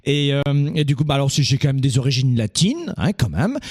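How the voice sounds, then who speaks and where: Male call-in host, animated and encouraging, bright melodic delivery in a radio studio. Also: medium pitch, slightly rough. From Italian descent. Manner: animated, quick interjections and repeated reassurances. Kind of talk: live call-in radio show.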